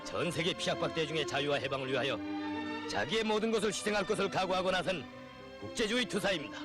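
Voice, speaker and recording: Male actor as solemn revolutionary leader, North Korean accent, medium-high voice, old film drama with music behind. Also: expressive, quick pace, lightly acted. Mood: rousing, solemn.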